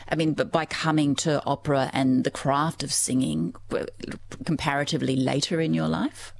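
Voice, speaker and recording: A chatty woman hosting live radio from a studio, gushing and quick to laugh. Her voice sits low for a woman. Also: fairly even intonation, vocal fry. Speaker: radio host. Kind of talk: live radio interview and giveaway.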